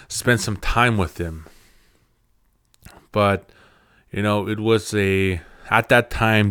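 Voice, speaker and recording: Halting low-voiced male podcast host. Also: clean tone, no room sound, clean studio sound. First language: Cree. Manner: halting, often restarts phrases. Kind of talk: casual personal storytelling.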